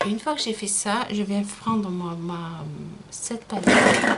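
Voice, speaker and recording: A woman's very slow speech with ordinary pitch variation, over noticeable background noise. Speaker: beauty vlogger. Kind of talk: makeup tutorial. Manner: hesitant, many fillers; casual.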